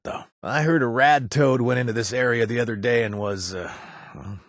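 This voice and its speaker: A man's voice: fairly low pitch, a bit bright, dry recording, clean studio sound, exaggerated voice. An actor playing a young male ex-gang member, a chatty ally in a video game who cracks jokes and puns. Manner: jokey, punning, chatty with fillers.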